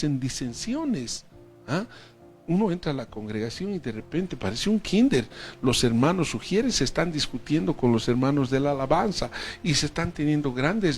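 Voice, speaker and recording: A man teaching a discipleship Bible lesson, reading scripture slowly with emphasis and dropping in tag questions to his listeners. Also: on the high side.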